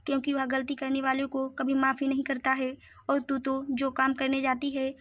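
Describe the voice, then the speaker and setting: A woman's voice: high-pitched, monotone, normal speed, a bit bright, no echo. A woman voicing a teasing, blunt young woman friend in a read-aloud audio story.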